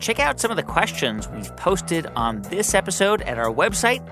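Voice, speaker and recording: Animated host reading credits. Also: male voice, sits high, moderate pace. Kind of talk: show outro credits. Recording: music bed behind.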